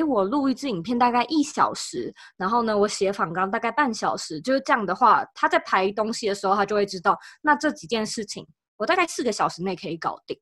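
A woman's voice: mid-range voice, a bit bright, no room sound, clean studio sound. A woman guest, explaining practical advice step by step in a casual interview.

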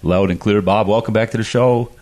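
Low-pitched American man hosting radio. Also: steady tone, fairly quick, darkish tone. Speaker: radio show host. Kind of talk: casual interview hosting.

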